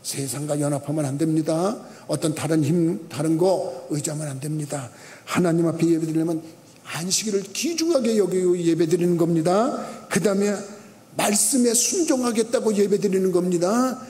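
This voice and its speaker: A man's voice: on the high side, normal speed. A middle-aged male pastor preaching a sermon in a church, talking in a loose, colloquial way and acting out little scenes as he goes. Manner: colloquial, animated storytelling with acted-out asides. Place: church sanctuary. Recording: echoey hall reverb.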